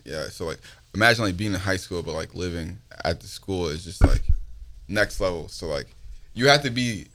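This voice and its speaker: A young man with a deep voice chats casually. He talks like a frat bro, leaning on slang, loose swearing and a constant "like" as he rambles. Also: lively intonation, normal speed, sharp tone, slight background noise. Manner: slangy frat-bro talk, frequent profanity and "like". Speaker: interview guest, touring recording artist. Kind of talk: casual chat.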